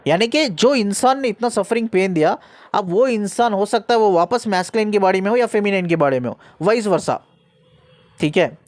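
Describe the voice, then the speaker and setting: A man's voice: high-pitched, expressive, normal speed. A man giving an earnest spiritual teaching talk, repeating phrases for emphasis and checking in with the listener. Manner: earnest, explanatory, speaks to the listener directly. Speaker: spiritual guide.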